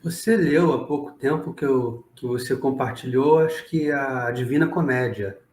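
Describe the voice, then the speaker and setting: A man hosts a casual talk and asks brief, relaxed questions. His voice carries a noticeable room echo. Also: mid-range voice, normal speed. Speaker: podcast host. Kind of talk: casual interview. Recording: roomy echo.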